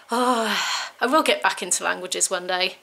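A woman's voice: mid-range voice, unhurried, creaky, bright, forceful tone. A woman in her thirties from the UK, chatting through a home vlog on a handheld camera while she sorts boxes, enthusiastic and thinking aloud. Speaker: vlogger. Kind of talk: casual vlog chat. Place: living room at home, indoors. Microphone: handheld camera mic, filming herself close up.

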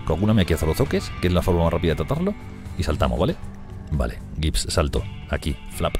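A man commenting on a strategy game he is playing, talking fast and excitably, swearing and laughing often. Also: deep voice, over music. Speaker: gameplay streamer.

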